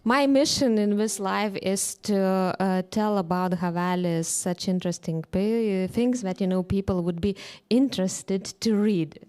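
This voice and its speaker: A woman's voice: medium pitch, a little slow, few pauses, mellow, clean tone. A woman literary researcher, speaking hesitantly on a discussion panel with many fillers.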